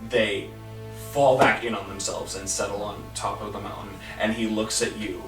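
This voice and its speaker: Bright-voiced male game master, echoey room. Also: fairly low pitch, little pitch movement. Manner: halting, searching for words. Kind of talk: improvised tabletop game narration. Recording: echoey room, distant mic, background music.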